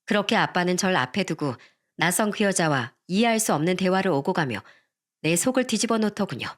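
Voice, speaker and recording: Woman reading out a dramatic family story, first person, scripted. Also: lowish voice. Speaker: story narrator.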